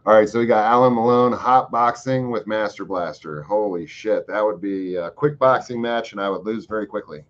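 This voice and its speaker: A man's voice: lowish voice, normal speed, hardly any pauses, muffled recording. A man hosting a casual live chat, answering viewer questions in a rambling, profane way with lots of fillers. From Florida. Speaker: host.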